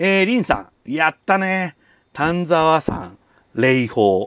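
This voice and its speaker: Relaxed in tone, a man speaks at a very slow pace in a dry, close sound with no echo. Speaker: rakugo storyteller hosting a solo talk stream. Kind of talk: casual solo chat. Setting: live audio stream from home. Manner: relaxed, chatty with fillers.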